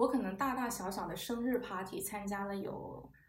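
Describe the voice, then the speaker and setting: A woman's voice, showing ordinary pitch variation, carries audible echo from the room. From southern China, Shenzhen. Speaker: podcast co-host. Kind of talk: casual chat.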